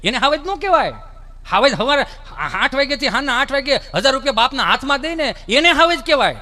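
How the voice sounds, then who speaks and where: A man telling folk comedy stories on stage, animated and putting on voices. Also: very high voice, brisk. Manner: animated, acts out voices, rustic asides. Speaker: stand-up comedian. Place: live stage show.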